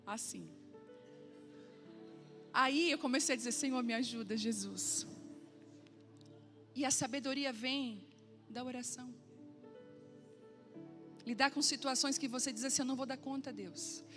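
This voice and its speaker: A woman pastor preaching a sermon, telling a funny personal story and acting out the dialogue with lively humor. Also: sits high, a little slow, long pauses, over music.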